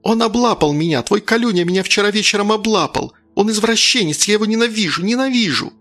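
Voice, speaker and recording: A man's voice: high voice, animated, quick pace, a bit bright, soft background music, voice pushed up. A man voicing an angry, hurt teenage girl in a spoken story. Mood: furious.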